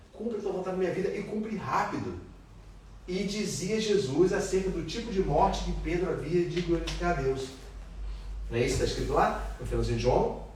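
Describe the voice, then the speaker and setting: Lively man teaching a Bible class. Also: on the high side. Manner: animated, questions the class. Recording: echoey room, distant mic, faint noise.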